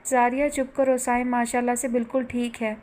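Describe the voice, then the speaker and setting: A woman's voice: on the high side, level tone, brisk, darkish tone, slight background noise, natural voice. A woman voicing an earnest, protective young man in an audiobook, speaking reassuringly.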